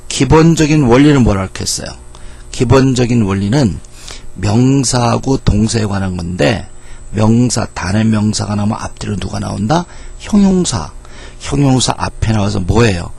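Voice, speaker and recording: A middle-aged man gives a grammar lesson, tossing out questions and answering them himself. His voice is gravelly with a husky edge. He keeps the lecture lively and conversational. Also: on the low side, normal speed. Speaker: English teacher.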